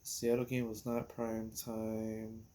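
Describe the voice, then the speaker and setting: Guy doing a casual sports podcast, slow talker, mellow voice, kinda rambly and hesitant. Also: fairly low pitch, completely flat delivery. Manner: rambling, hesitant, pauses while recalling and counting. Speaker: podcast host. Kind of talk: casual sports talk, thinking aloud.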